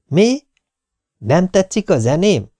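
A man reading an audiobook, voicing a calm young male DJ who speaks gently and reassuringly. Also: high voice, no room sound, pitched above the performer's own voice. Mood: gentle. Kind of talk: audiobook character voice.

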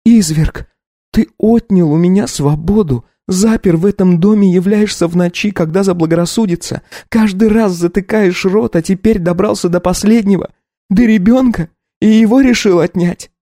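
A man voicing a defiant young countess and mother, speaking in a shrill, pleading way. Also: moderate pace, warm tone, dry recording, clean studio sound, lightly acted. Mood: furious.

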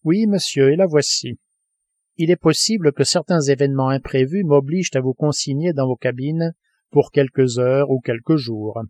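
Brief: male reader as cold, grave submarine commander, dark tone, audiobook. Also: mid-range voice, close to an everyday voice. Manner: grave, measured. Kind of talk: audiobook reading.

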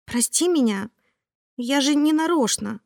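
A woman voicing a meek female friend who apologizes softly. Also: sits high, lively intonation, a little slow, gravelly, dry recording, studio quality, pitched above the performer's own voice, heavily acted. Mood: apologetic. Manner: soft, apologetic.

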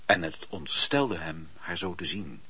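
A man's voice: low voice, measured pace, pushed and bright, slightly rough, exaggerated voice. A man narrating a historical radio drama as an all-knowing, literary storyteller. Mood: measured, dramatic. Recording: dull lo-fi radio play recording.

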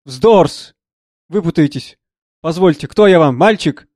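A sneering, domineering moneyman who bullies and mocks everyone in the room, as a man reading a play puts him on. The voice sits a touch high for a man, close and completely dry. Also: expressive, unhurried, darkish tone, dry recording. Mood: contemptuous. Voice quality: sneering, scornful. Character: rude domineering middle-aged man, blustering financier.

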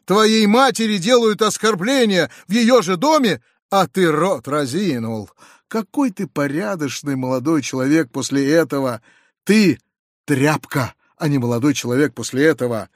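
A man reading an audiobook, voicing a shrill, furious middle-aged noblewoman in an indignant screeching tirade. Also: expressive, moderate pace, few pauses, a little mellow, husky, no room sound, clean studio sound. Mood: furious scolding. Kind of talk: audiobook character voice.

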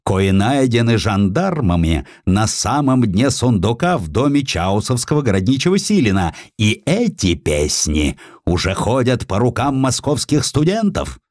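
A male reader plays an overbearing university dean in an audio story. He is brusque, pompous and condescending, hectoring his listener with wide swings of pitch in a dry, close recording. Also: very animated, unhurried, hardly any pauses, darkish tone, dry recording. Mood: menacing. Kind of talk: audio dramatization of historical prose.

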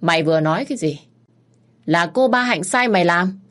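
A stern, harsh young master barking orders to his household, as a woman narrator puts him on. Storybook delivery, loud and commanding, raised a little above her usual low voice. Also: expressive, fairly quick.

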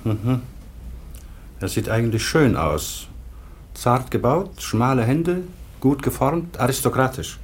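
An actor playing an authoritative white-haired court president in a radio drama, formal and clipped. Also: male voice, medium pitch, expressive, slow pace, pauses often, slight background noise. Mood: appraising, commanding. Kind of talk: German radio drama acting.

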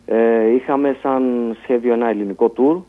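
A man, a band musician talking about his band in a radio interview, telling it in a relaxed way. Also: medium pitch. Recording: tinny phone-like radio sound.

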